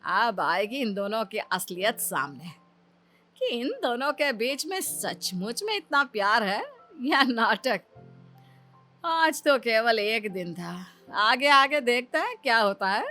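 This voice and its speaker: A woman's voice: fairly high pitch, animated, slow pace, bright, forceful tone, soft background music, exaggerated voice. A woman voicing a stern, scheming older mother-in-law in a Hindi cartoon, talking in a bossy, testing way.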